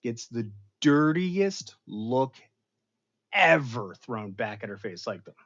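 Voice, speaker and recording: A man hosting an online show, casually recapping a television episode for his live chat in an animated, storytelling manner with sudden dramatic outbursts. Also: medium pitch, slow pace, lo-fi sound. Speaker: show host reviewing an episode.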